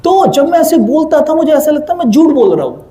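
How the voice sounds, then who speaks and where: Young male spiritual speaker, high warm voice, animated, keeps asking the audience to call back. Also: fairly quick. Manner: lively, asks the audience to answer aloud. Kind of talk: spiritual talk to a live audience.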